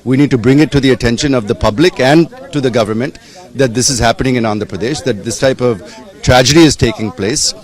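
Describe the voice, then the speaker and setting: Mid-pitched Indian male politician. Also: fast talker. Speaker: opposition politician. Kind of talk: political statement to media.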